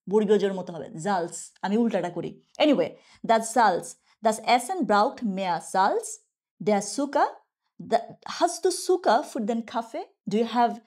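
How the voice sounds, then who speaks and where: A woman giving a casual online German lesson. She chats freely, keeps asking "okay?", and says her example sentences slowly and carefully. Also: medium pitch, a little mellow. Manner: chatty, asks "okay?" often, slow careful example sentences. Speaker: German teacher.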